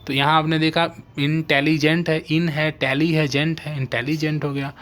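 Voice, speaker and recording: A man's voice: on the high side, little pitch movement, moderate pace, a bit bright. A man teaching English grammar in a live online exam-prep lesson. He explains step by step and keeps checking whether his students follow.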